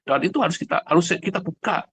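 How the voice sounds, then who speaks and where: A preacher livestreams a conversational sermon, talking to his listeners directly in a blunt, emphatic manner full of rhetorical questions. He talks fast in a high, husky voice with vocal fry, and there is no room sound.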